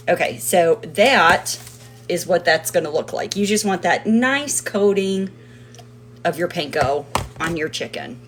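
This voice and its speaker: Chatty low-voiced woman cooking at home. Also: a little hiss or hum. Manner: chatty and rambling, with playful sing-song nonsense rhymes. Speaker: cooking video host. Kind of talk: casual cooking demonstration. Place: home kitchen.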